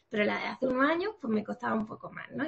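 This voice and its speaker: A woman is speaking. She has an Andalusian accent. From Andalusia, Spain. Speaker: conversational AI expert. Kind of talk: online talk.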